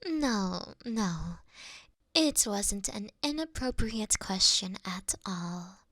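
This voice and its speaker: Woman doing a flirty mischievous fox lady for asmr roleplay, breathy half whisper, really slow n coy, close dry sound. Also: mid-range voice, lively intonation, a bit bright, no room sound, heavily acted. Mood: coy, teasing. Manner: coy, drawn-out, teasing delivery. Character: teasing, mischievous, doting adult kitsune fox woman.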